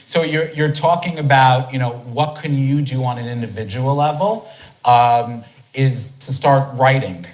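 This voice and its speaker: American guy hosting a talk, talks fast with lots of restarts, mid pitch. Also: poor audio. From United States. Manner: energetic, chatty, many restarts. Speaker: event host and speaker. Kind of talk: live talk to an audience. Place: conference hall.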